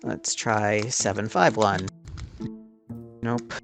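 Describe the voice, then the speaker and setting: A slow-speaking game player with an average pitch thinks aloud in casual, halting chat. Music plays clearly behind the voice. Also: steady tone. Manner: hesitant, puzzling things out.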